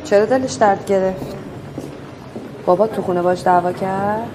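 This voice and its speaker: Woman as a soft-spoken teacher gently quizzing a kid in a film drama, mid voice, noisy audio. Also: medium pitch, fairly even intonation, lightly acted. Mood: coaxing. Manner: soft, coaxing questions. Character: gentle schoolteacher questioning a young girl.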